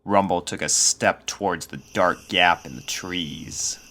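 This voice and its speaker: Deep-voiced, bright-edged male story narrator. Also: measured pace, vocal fry. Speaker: fan fiction narrator. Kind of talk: scripted dramatic story narration.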